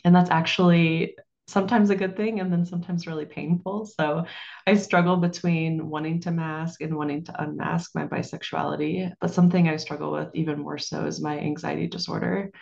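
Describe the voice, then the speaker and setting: Female panelist, candid and reflective, deep register with gravelly fry, slightly dull recording. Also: darkish tone. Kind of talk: sharing a personal story in a panel discussion.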